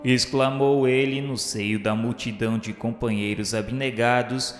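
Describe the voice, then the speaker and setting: A man with a Brazilian accent reading solemn, formal scripted narration for a radio novela in a measured, literary way. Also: mid-range voice, steady tone. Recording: echoey hall reverb, music underneath. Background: background music.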